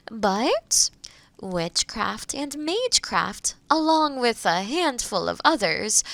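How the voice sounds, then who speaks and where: Kind patient witch, played by a woman, audio roleplay, scholarly and precise, slow delivery, frequent vocal fry. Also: on the high side, no room sound, full character voice. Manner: explanatory, precise, softly reassuring. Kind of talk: scripted audio roleplay, conversational.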